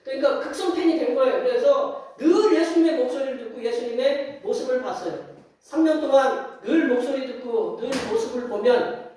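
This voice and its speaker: A man's voice: extremely high pitch, a little mellow. A man preaching as pastor in a folksy storytelling sermon, acting out scenes and asking the congregation questions. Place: church sanctuary. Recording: very echoey hall, distant mic.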